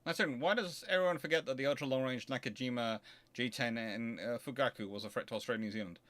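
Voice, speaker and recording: A man's voice: mid-range voice, fast, fairly bright tone. A man hosting an off-the-cuff explanatory talk, emphatic and digressive, often correcting himself as he goes. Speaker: host answering audience questions.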